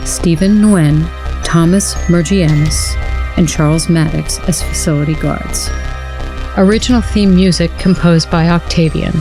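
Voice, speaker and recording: Woman reading credits over clear music. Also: on the low side, darkish tone. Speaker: series narrator reading credits. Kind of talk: scripted narration.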